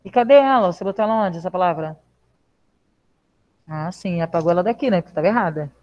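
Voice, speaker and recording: A Brazilian primary school teacher speaks quickly in a lowish, lively voice with a Brazilian Portuguese accent, patiently reassuring children in a live online class and coaxing them with questions. The sound is lo-fi video call audio.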